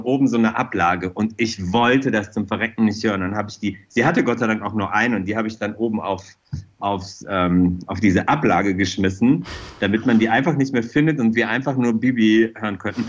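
A man's voice: fairly low pitch, brisk, breathy edge. Effusive middle-aged man, slightly muffled. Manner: enthusiastic, rambling, effusive. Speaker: interview guest, fashion designer. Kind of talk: casual podcast chat, personal anecdotes.

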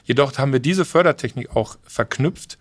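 Male guest, trade fair podcast, explanatory and businesslike, mid-pitched voice. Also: moderate pace. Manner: explanatory, businesslike, many restarts. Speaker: logistics company representative, guest.

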